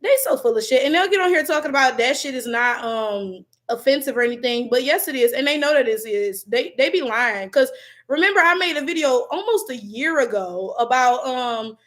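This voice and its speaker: Reading live chat comments out loud, this Detroit-accented woman chats casually on her stream at normal speed. Her high, slightly bright voice cracks now and then, and she keeps it slangy and loose, laughing a lot.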